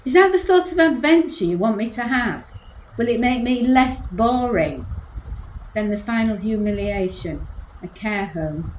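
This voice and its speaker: A frank, wry woman facing early dementia, played by an actress, speaking with quiet determination. The voice rings in a roomy space on a dull lo-fi recording with faint background hiss. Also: fairly high pitch, lively intonation, unhurried. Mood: bitter. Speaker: actor. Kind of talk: audio drama acting. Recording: echoey, dull lo-fi, faint noise.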